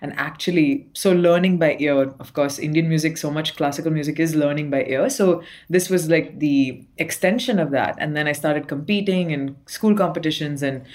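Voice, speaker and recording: Young woman guest, low-pitched, chatty and laughing, casual remote interview. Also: normal speed, few pauses, darkish tone. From Dubai. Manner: chatty, laughs often, many fillers. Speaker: guest singer-songwriter.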